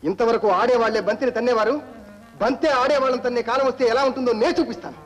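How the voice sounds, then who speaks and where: A bitter, defiant husband. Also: male voice, very high voice, steady tone, very fast, faint music behind, poor audio. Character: proud angry son-in-law, young husband.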